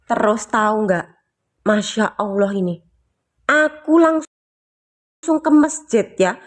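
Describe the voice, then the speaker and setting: A woman telling a personal story to listeners, emotional and casual, often checking in with them. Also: fairly high pitch. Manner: emotional, keeps asking listeners "you know?". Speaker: motivational storyteller.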